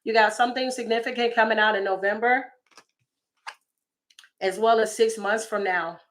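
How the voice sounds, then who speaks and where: A woman with a slightly raspy voice, chatting through a tarot reading for her viewers with exclamations and asides. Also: on the high side, fairly even intonation, moderate pace, a bit bright. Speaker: tarot reader.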